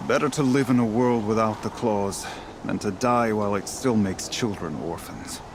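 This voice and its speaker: Guy doing an old tribal hunter for a game, lowish voice, tired but proud, solemn storyteller, lots of background noise. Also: natural voice. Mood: solemn, resolute. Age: older. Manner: solemn, measured, poetic storyteller. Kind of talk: dramatic video game dialogue.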